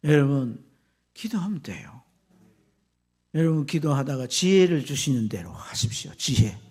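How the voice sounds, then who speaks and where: A man, a pastor, preaching a sermon with fervor, swinging from loud exclamations to hushed whispers. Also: a little high, very animated, moderate pace, slightly rough.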